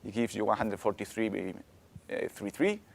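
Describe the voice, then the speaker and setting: A man's voice: lowish voice, expressive, normal speed, creaky. Methodical man explaining rules in a roomy space. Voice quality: strong voice. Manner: methodical, explanatory, with frequent restarts and hesitations. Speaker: expert presenter answering questions. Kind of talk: webinar Q&A explanation. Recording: roomy webinar audio with a distant mic.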